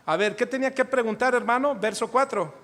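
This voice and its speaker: High-voiced Mexican pastor preaching. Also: male voice, a little fast, a bit bright, big-room sound. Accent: Mexican Spanish. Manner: storytelling, addresses congregation directly. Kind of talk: sermon. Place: church hall.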